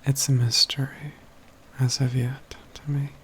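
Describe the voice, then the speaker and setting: In a breathy, almost whispered ASMR fantasy roleplay, a man plays a mage companion who's wry, caring, and self-assured, using formal, measured phrasing. His mid-range voice is level and pensive, close to how he might speak day to day. There's slight noise in the background.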